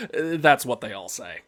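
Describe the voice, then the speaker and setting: A man's voice: on the high side, a bit bright, slightly rough, heavily acted. Man acting a smug, mockingly polite loan shark villain. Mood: mock concern, gloating. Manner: mockingly formal, condescending, theatrically coy. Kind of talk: audio drama acting.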